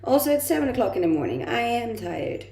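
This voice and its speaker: A woman's voice: on the high side, big pitch swings, fairly quick, gravelly, mellow, reverberant. A woman from Denmark casually chatting through a morning livestream, often laughing to herself, a little stuffy-nosed. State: blocked nose from blowing it a lot. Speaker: livestreamer reading chat. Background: faint music.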